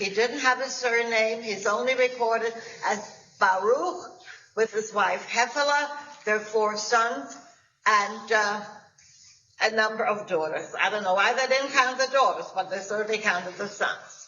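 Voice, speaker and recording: This woman has a fairly high pitch, ordinary pitch variation and a moderate pace, with long, frequent pauses. Noticeable background noise runs underneath. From Germany. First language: German. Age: 90s. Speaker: holocaust survivor speaking to students. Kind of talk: testimony.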